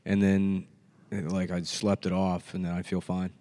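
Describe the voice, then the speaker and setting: American male comedian hosting a podcast, notably deep voice, loose conversational delivery. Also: little pitch movement, a little slow, dark tone. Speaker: podcast host and touring comedian. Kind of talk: casual chat. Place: podcast studio.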